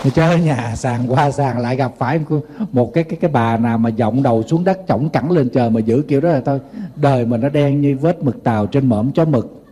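A husky, medium-pitched voice belongs to a middle-aged Buddhist monk with a Southern Vietnamese accent who talks a little fast. He preaches with lively, humorous anecdotes.

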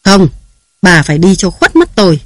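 A man's voice: high voice, big pitch swings, normal speed, a bit bright, no echo, studio quality. A man reading aloud who voices a jealous, domineering young husband barking harsh commands and threats.

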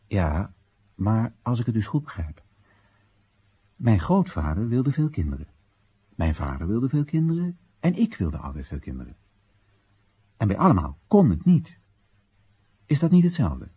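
A man's voice: fairly low pitch, very animated, measured pace, long pauses, breathy edge, muffled recording, heavily acted. An actor playing a wry Chinese everyman who narrates and questions his country's policies in a radio drama monologue, ironic, rhetorical and theatrical. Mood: puzzled, questioning.

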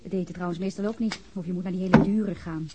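A woman's voice: lowish voice, fairly even intonation, fast, heavy background noise, natural voice. An actress playing a friendly, frank policewoman in a Dutch radio drama, informal and teasing. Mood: friendly, casual.

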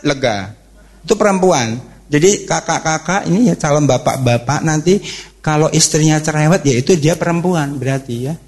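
A man giving a lively religious talk to teenagers and parents as a counselor. He often asks the audience questions. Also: on the high side, moderate pace. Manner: animated, acts out quotes and cheers, asks the audience questions.

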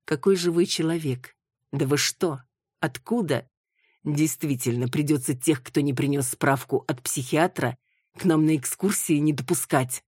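Brief: icy condescending guide, read by a woman, slow measured words, dry close sound. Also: sits low, darkish tone, breathy edge, dry recording. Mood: mocking. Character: cold, mocking woman ritual guide.

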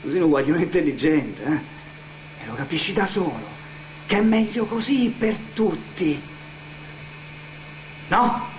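An actor playing a falsely paternal, menacing restaurant boss in a radio play, coaxing in colloquial speech with a southern Italian accent. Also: male voice, fairly high pitch, expressive, slow, long pauses, a little hiss or hum, poor audio. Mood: coaxing menace. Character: wheedling, menacing male restaurant boss exploiting a worker. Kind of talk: theatrical monologue in a radio play.

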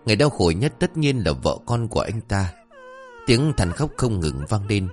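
A man narrating a story in a dramatic, expressive way. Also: lowish voice, moderate pace, soft background music.

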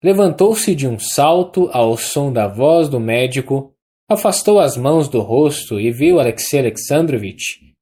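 An audiobook narrator with a Brazilian accent reading a classic novel in a measured, even way. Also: medium pitch, slightly rough. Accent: Brazilian Portuguese.

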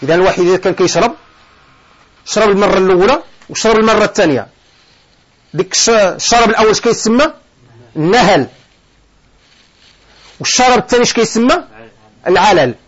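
A man's voice: high voice, fast, long pauses, highs cut off. A man teaching a lesson on verb forms, who questions his students and answers himself. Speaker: sheikh teaching Arabic morphology. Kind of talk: classroom lesson explaining a grammar poem.

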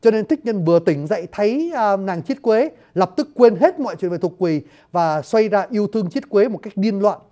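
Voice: medium pitch, lively intonation, moderate pace, hardly any pauses, mellow. A storyteller explaining a stage play to listeners in a chatty, joking way, often addressing them directly. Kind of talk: lively spoken commentary to listeners.

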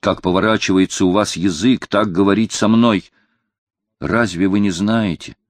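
A man's voice: fairly low pitch, fairly even intonation, normal speed, no echo, natural voice. A man voicing a devout, loyal counselor pleading fervently with his friend, in an audiobook reading.

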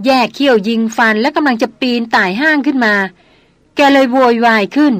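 Woman doing a wise old-hand hunter from a storybook, calm and reassuring, slightly high, dry sound. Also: a little fast, dry recording, natural voice. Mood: calm advising. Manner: steady, reassuring advice. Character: seasoned male jungle hunter, calm and wise.

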